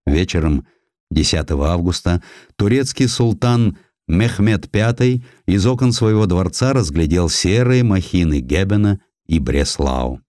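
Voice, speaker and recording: A man's voice: deep voice, unhurried, dry recording. A man reading historical prose as a dramatic audiobook narrator, telling it expressively. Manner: expressive storytelling, acting out quoted speech.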